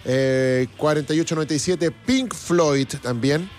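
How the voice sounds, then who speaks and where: A man's voice: fairly high pitch, a little slow. A Chilean man co-hosting a live music stream, chatting casually and reading viewer comments aloud. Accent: Chilean Spanish.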